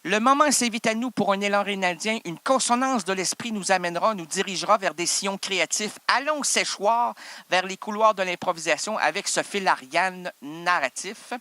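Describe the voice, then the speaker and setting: A man's voice: high voice, normal speed, bright, forceful tone, echoey room, in a large hall. A man with a Québécois accent improvising a comic stage monologue, rambling, interrupting himself and teasing the audience. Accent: Québécois French. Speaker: improv performer and host.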